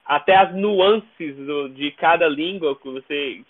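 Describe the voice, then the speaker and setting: Tinny phone-line Brazilian man, halting. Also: a little high. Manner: halting, repeats words while searching. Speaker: podcast guest. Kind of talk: casual interview chat. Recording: narrow, tinny phone-like call audio.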